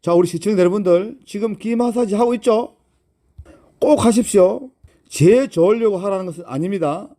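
A man's voice: high voice, moderate pace, mellow. A middle-aged man hosting a herbal medicine channel, explaining to viewers and asking them rhetorical questions.

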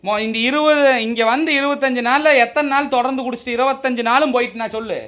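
A man locked in a domestic argument with his wife. He argues defensively, swears, and at times raises his voice to a shout. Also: extremely high pitch, steady tone, fast. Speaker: husband.

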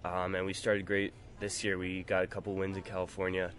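A young man who plays college tennis, answering an interview question in a plain, low-key way. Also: monotone, brisk, a bit bright. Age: young adult.

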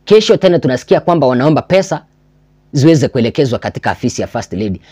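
A man's voice: medium pitch, very animated, rapid-fire, mellow, husky, no echo, clean studio sound. A man in his twenties with a Kenyan accent, giving impassioned, emphatic commentary to camera and repeating phrases for stress. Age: 20s. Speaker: political commentary vlogger. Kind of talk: impassioned commentary to camera, mixing English and Swahili. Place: small indoor room with a backdrop, armchair.

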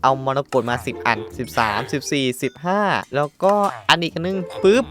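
A man's voice: mid-range voice, normal speed, soft background music. A man hosting a casual let's-play, narrating his own moves, counting aloud and breaking into startled exclamations and coarse slang. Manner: excitable, yelps and exclaims at surprises, coarse slang. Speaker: gaming channel host.

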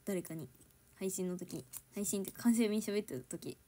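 A woman's voice: mid-range voice, normal speed, dark tone. A young woman with a Kansai accent chatting casually with viewers on a livestream, giggling often and switching between standard Japanese and Kansai dialect. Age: young adult. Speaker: idol livestreamer. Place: home.

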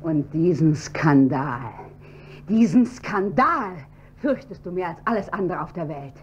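An actress playing a bitter, defiant wife in a German radio crime drama, scornful and mocking. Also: female voice, on the low side, animated, a little slow, slightly rough. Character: bitter, defiant woman of lowly origins, scornful. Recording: dull old radio recording with faint hum.

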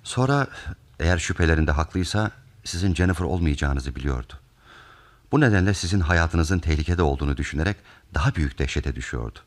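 An actor playing a calm, methodical detective who explains a case deliberately in a radio theatre mystery. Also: male voice, extremely low pitch. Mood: grave, reasoning.

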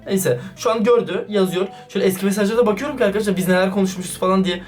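Man, excitable vlog commentary, slangy, talks to viewers, set back from the mic, music underneath. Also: high-pitched, racing. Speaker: YouTuber reacting to a chat. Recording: distant mic with background music.

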